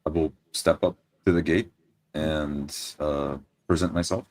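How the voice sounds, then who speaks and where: A man's voice: a bass voice, steady tone, measured pace, a little mellow. A man playing a tabletop roleplaying game, narrating his character's actions as he improvises.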